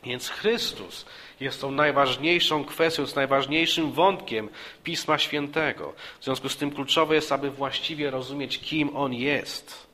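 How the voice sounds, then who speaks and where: Guy preaching a sermon, bright forceful voice, earnest, keeps restarting words, goes up loud then drops quiet. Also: mid-range voice, fairly even intonation, unhurried. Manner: earnest, repeats phrases with restarts, rises for emphasis and drops softly.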